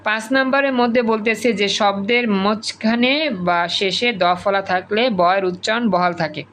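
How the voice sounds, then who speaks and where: A man with a Bangladeshi Bengali accent teaching an online class over a video call. He repeats words slowly to drill pronunciation and calls on students by name. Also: sits high, fairly even intonation, fairly bright tone, a little hiss or hum. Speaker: tutor.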